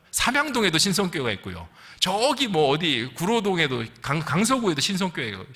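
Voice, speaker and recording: Male pastor, middle-aged, sermon delivery, fairly high voice, very lively intonation, conversational storytelling, rhetorical questions, echoing church hall. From Gyeongsang region, South Korea. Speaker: pastor preaching. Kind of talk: sermon with anecdotes and acted-out quotes. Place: large reverberant church hall. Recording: long hall reverb.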